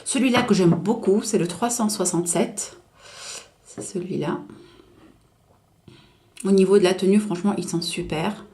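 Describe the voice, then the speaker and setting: A woman reviewing nail polish in a casual, chatty way, hesitating often and correcting herself, slowing down to spell out each shade name. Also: medium pitch, dark tone. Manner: chatty, hesitant, full of filler and self-corrections; slows down to read out shade names. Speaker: beauty vlogger.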